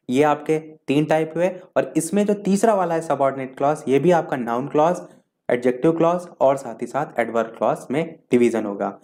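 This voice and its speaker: A male teacher giving an exam revision lesson, explaining step by step and listing terms one by one, slowing down to read out definitions. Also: medium pitch, a little mellow. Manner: slows down to read out English definitions.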